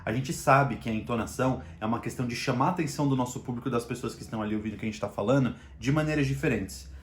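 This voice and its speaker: A Brazilian man with a Brazilian Portuguese accent gives a casual online lesson on communication, raising and lowering his voice to make his points. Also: reverberant, a little hiss or hum. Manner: shifts volume and pitch to show emphasis. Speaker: communication trainer.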